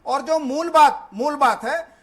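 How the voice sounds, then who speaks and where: High-voiced man speaking formally. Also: fairly bright tone. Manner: formal and official, with halting restarts. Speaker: debate panelist. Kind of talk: televised political debate.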